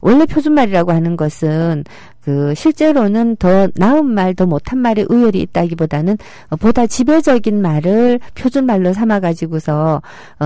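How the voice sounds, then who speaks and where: A woman's voice: medium pitch, mellow, no echo, studio quality. A middle-aged woman giving a public lecture, explaining with rhetorical questions and acting out quoted speech.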